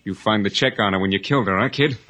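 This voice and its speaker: Husky old-radio gangster, escaped bank robber, menacing n brooding, clipped talk. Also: male voice, lowish voice, fast, a bit bright. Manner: clipped tough-guy phrasing in present tense. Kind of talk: 1950s radio drama acting.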